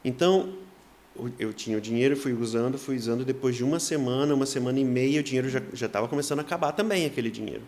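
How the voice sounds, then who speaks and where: A man's voice: mid-range voice, fast talker, slight background noise. A man, a missionary guest, telling a personal faith story in an earnest way, acting out what people said to him. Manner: earnest, acts out quoted dialogue in lively voices.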